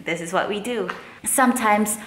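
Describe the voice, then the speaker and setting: A woman in her twenties with a Malaysian accent, chatting casually to the camera in an animated way. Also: medium pitch, normal speed. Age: 20s. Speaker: vlogger. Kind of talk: casual vlog chat. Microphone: camera at arm's length.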